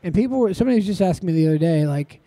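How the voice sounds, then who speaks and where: A man from Ohio hosts a live podcast from a convention stage. His voice sits high yet mellow and soft-edged, and his delivery is chatty and eager. The sound is dry and close. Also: lively intonation, very fast, dry recording. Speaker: podcast host.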